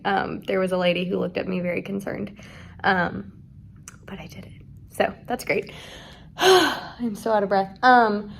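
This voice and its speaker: A woman's voice: medium pitch, creaky, a little hiss or hum. A young woman, vlogging casually as a first-year teacher from her car and her classroom, chatty and rambling with many fillers. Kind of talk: casual vlog chat.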